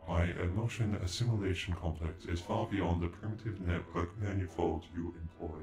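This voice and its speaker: Man acting a cold sentient android, low-pitched, formal, haughty, stilted ASMR roleplay, echoey, music behind. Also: fairly even intonation, moderate pace, a little mellow, lightly acted. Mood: indignant. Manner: stilted, formal, stuttering on glitched words.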